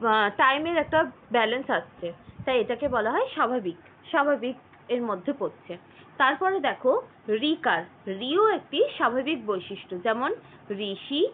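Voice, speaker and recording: Woman teacher, high voice, patient letter-by-letter explanations, phone-quality sound. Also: breathy edge. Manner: explains slowly, breaking words into letters. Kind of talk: online grammar lesson. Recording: tinny phone-like audio.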